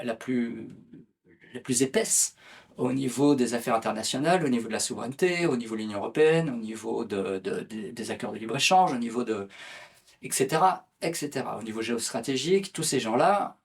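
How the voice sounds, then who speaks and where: A gravelly, slightly rough, medium-pitched voice belongs to a man from France, an author and political activist giving a conversational interview. His speech is hesitant, full of fillers and false starts.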